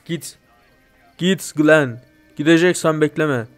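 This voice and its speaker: A man doing let's play commentary, joking and bursting into loud mock-angry swearing. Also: fairly high pitch, slow pace, faint music behind. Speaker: gameplay commentator.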